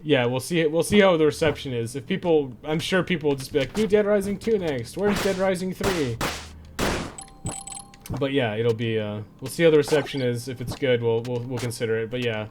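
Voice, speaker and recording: A man's voice: mid-range voice, brisk, background noise. A man chatting casually as he streams a game, rambling and swearing freely as he goes. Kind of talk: casual livestream chat while playing.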